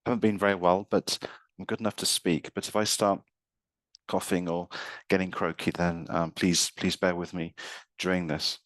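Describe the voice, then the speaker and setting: A university lecturer, a man, presenting his research over a video call, a bit hoarse from being unwell and repeating words as he thinks. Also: deep voice, level tone, moderate pace, fairly bright tone, dry recording. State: slightly hoarse from illness. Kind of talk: academic presentation.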